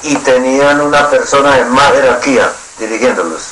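A man's voice: medium pitch, moderate pace, fairly bright tone, a little hiss or hum, poor audio. A man interviewing a witness, asking brief questions and summarizing her answers.

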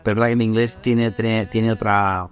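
A man from Spain with a low voice talks about his music in an interview. He is reflective and hesitant, repeating words as he searches for them. Faint music sits behind him. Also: level tone, brisk. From Albacete, Spain. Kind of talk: interview answers.

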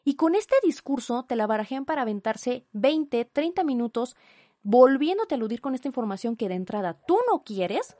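A young Mexican woman with a Mexican accent telling an indignant, animated story with asides in a storytime vlog. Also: a little high, normal speed, no echo, studio quality. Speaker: vlogger.

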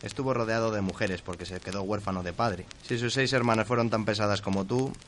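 A man's voice: on the low side, steady tone, fast talker, fairly bright tone, a little hiss or hum, natural voice. A young man playing a cheeky, impatient music student in an audio drama, brash and teasing. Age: young adult.

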